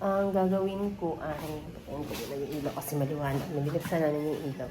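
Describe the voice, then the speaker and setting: With noticeable background noise and audible room echo, a woman speaks at a very deep, low pitch with ordinary pitch variation. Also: fairly quick pace. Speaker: vlogger. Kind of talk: casual vlog. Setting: at home, rooftop.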